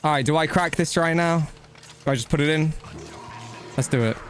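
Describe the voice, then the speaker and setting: A man's voice: on the high side, brisk, soft background music. A man giving casual live gameplay commentary and chatting to viewers, blunt, slangy and matey, with some swearing. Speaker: video game streamer.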